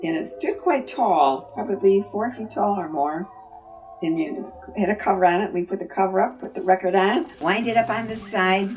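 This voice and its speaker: There is noticeable background noise behind this woman with an American accent. She speaks at a moderate pace with lively intonation. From upstate New York, Finger Lakes. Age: 90s. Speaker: elderly mother sharing life memories. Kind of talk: oral history interview.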